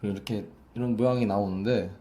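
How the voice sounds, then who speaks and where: A man's voice: lowish voice, steady tone, a little fast, mellow. A man teaching a voice lesson, explaining breath pressure with a hose demonstration, often repeating and restarting his phrases. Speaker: vocal coach.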